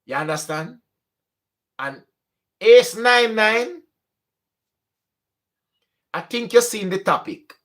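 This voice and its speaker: Slow and expressive, with long pauses, a young man with a strong Jamaican accent chats to his channel in a high, slightly bright voice. His casual monologue slips between standard English and patois.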